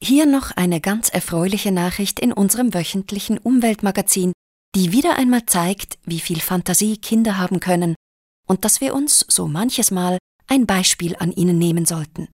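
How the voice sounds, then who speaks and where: Lady doing an upbeat radio magazine report, scripted, medium pitch, no room echo. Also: normal speed, a little mellow, clean studio sound, lightly acted. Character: upbeat female radio environmental magazine presenter.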